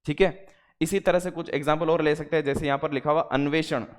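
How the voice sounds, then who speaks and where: Male teacher, fairly high voice, methodical exam-prep explainer, slight hall reverb. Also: fairly even intonation. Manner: explains step by step, slows to spell out word parts.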